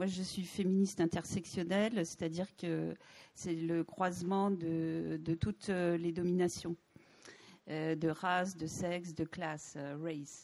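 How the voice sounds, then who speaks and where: Very slowly, a woman speaks with a fairly low pitch, a dark, mellow tone and monotone, flat intonation. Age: 50s. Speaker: theatre director, translator and actress. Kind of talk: panel discussion.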